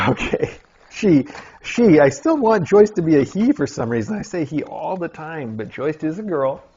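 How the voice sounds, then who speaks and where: At a normal speed, a man narrates casually as he opens mail meant for a litter of kittens, chatting and occasionally cooing at them in a higher, coaxing voice. He's very animated, with a slightly mellow, husky voice. The channel host's recording has a somewhat dull lo-fi quality and faint noise.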